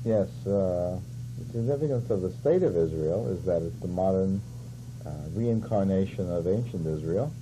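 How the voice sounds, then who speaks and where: A man interviewed as a guest, explaining at a measured pace and pausing to search for words. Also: low-pitched, animated. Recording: 1980s cable TV studio tape, faint hum.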